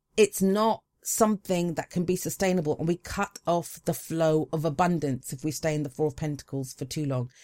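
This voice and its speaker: The pace is moderate, on a very clean recording with a silent background. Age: 40s. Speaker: tarot and astrology content creator. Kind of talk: solo monologue.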